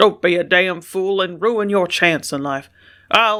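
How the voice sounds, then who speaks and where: This is a gruff, put-on character voice at a middle pitch. It moves at a fairly slow pace. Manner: blustering.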